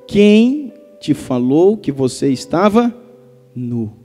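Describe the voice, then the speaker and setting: A man voicing God as a booming male divine voice, calling and questioning in drawn-out, pleading tones. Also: big pitch swings, full character voice. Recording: reverberant church hall with soft music.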